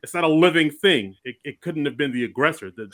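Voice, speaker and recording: Male podcast co-host, bright and slightly high voice, eager and chatty. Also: animated, a little fast. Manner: enthusiastic, laughing, frequent restarts. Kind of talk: casual comedy discussion.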